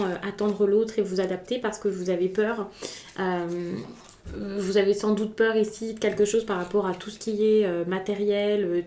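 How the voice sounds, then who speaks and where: Woman doing a tarot reading, chatty and halting, lots of uh's, roomy echo. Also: mid-range voice, mellow. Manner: chatty, many hesitations and restarts. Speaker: tarot reader. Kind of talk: spontaneous tarot reading to camera.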